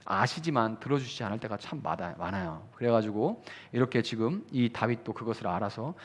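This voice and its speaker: A man in the pulpit gives a midweek prayer-meeting sermon. His voice sits at an ordinary middle pitch. He talks in an easygoing, conversational way, acting out quoted prayers and rising to fervent emphasis. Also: animated, a little fast. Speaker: pastor.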